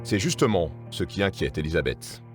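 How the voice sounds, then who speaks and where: A man reading a scripted documentary narration in a measured, serious voice. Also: low voice, big pitch swings. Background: music.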